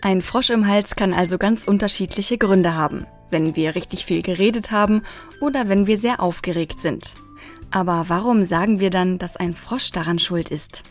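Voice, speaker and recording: A woman narrates a children's knowledge segment in a calm, scripted way. Her pitch sits in the middle of the usual range. Soft music plays underneath. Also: moderate pace.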